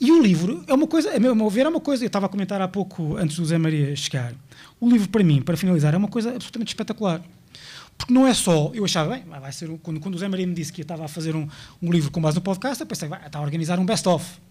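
A man with a high pitch and a dark, mellow tone talks at a very fast pace. His intonation is lively and his loudness swings widely. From Portugal. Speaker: lawyer. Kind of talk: book presentation talk. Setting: bookstore event with audience. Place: stage. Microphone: podium.

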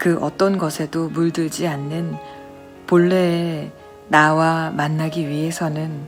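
Over music in the background, a woman with a very deep, low pitch speaks at a very slow pace in a monotone, flat intonation. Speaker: voice actor; narrator. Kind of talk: poetry reading.

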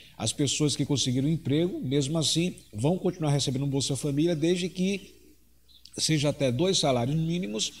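The man sounds somewhat breathy. His pace is moderate, with ordinary pitch variation. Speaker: radio host, blogger. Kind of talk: news commentary.

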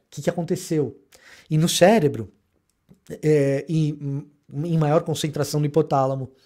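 A man's dark, mellow tone at a fairly quick pace, with fairly even intonation and a quiet background. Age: 40s. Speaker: theologian and YouTuber; YouTuber. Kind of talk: reaction video commentary. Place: home room. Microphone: studio mic.

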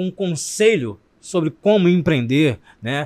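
Over a quiet background, a man speaks at a fairly slow pace, the sound dry with no echo. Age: 40s. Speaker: barber and image consultant; guest. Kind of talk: studio interview. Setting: studio. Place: studio. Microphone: studio mic.

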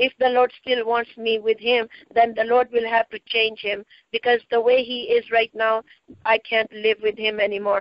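Flat and monotone, a woman speaks at a fairly high pitch in a dry sound with no echo. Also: quiet background. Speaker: caller. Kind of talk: prayer request. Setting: phone call. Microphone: phone line.

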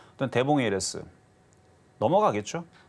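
Pitch swings very widely in this man's voice. He speaks very fast. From South Korea. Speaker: stock market expert. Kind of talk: stock analysis on TV. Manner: casual, rambling. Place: studio.

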